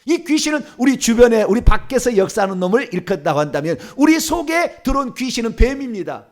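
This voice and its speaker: A male pastor preaching a sermon emphatically, moving between quiet asides and loud commands. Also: very high-pitched, sing-song, quick pace.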